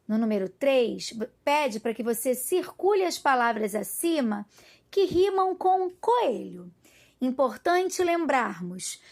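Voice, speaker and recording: Slow, high-voiced patient woman teacher. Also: creaky. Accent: Carioca Portuguese. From Brazil. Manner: slow, patient, sing-song teacher talk with diminutives. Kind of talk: recorded lesson for young pupils.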